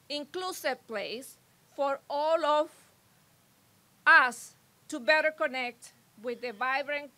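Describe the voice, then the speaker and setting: A woman with a high, clear, bright voice and a Mexican Spanish accent delivers a prepared speech outdoors at a park ceremony. Spanish is her first language, and she speaks steadily, leaning on key words for stress. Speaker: community development speaker.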